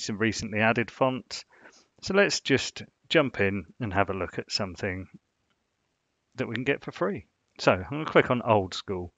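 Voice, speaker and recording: A man's voice: fairly low pitch, fairly bright tone, no room sound. A man hosting a casual screen-share design tutorial, rambling and filling gaps with "you know". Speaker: design channel host. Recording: dull, dry lo-fi sound.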